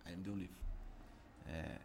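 A man with a Brazilian accent, a podcast guest telling his story in an animated, casual way. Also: low voice, quick pace, creaky, a little hiss or hum. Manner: animated, peppers speech with "cara" and "entendeu".

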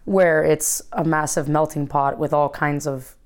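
A woman's voice: low-pitched, fairly even intonation, unhurried. A woman interviewing a guest, asking long and detailed questions in a casual tone.

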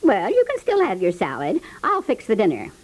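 An actress playing a bossy, well-meaning older aunt in a 1950s radio comedy, with a bustling, insistent manner. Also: female voice, mid-range voice, wildly swooping pitch, moderate pace, darkish tone. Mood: brisk, insistent.

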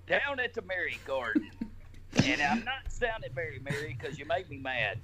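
A man voicing an old, wheezing male wolf who is pushy and grumbles quietly. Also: fairly high pitch, lively intonation, moderate pace, heavy background noise, close to an everyday voice. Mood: grumbling.

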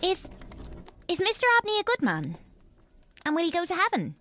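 A woman's voice: very high voice, huge pitch swings, moderate pace, a bit bright, no echo, exaggerated voice. A woman playing a polite, earnest and curious twelve-year-old orphan boy in an audio drama. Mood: curious, eager. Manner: well-mannered, earnest.

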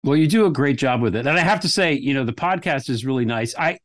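A man hosts a casual podcast interview. He speaks warmly, in a halting way, with many fillers. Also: medium pitch, animated. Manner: warm, complimentary, halting with fillers. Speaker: podcast host.

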